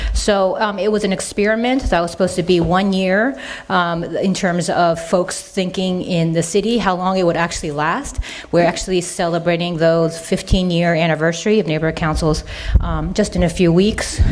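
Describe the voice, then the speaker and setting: Speaking with an American accent at a fairly quick pace, the voice keeps very even loudness and fairly even intonation. Room echo is audible, along with noticeable background noise. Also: woman, fairly low pitch for a woman. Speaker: city neighborhood program manager. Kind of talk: conference talk. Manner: fast.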